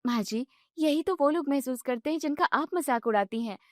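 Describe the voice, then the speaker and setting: Woman as a clever young daughter-in-law, calm firm lecturing, a touch high, dry close sound. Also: fairly quick, no room sound, close to an everyday voice.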